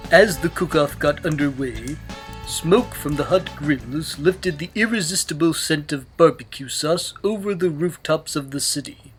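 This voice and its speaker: A man's voice: a little high, a little slow. A man reading a children's storybook aloud as scripted narration. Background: music.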